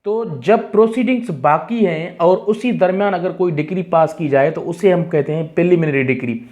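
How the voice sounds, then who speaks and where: A man's voice: sits high, normal speed, phone-quality sound. A man with a South Asian accent lecturing as a teacher, explaining in a didactic way, repeating key phrases and mixing in English terms. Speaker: law teacher. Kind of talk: exam-prep lecture, explaining and reading out definitions.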